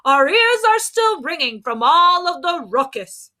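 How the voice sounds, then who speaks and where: A woman voicing boisterous, arrogant storybook trumpets, proclaiming in a loud, brassy manner. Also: extremely high pitch, very animated, measured pace, voice pushed up, full character voice. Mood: boastful. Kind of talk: storybook character voice.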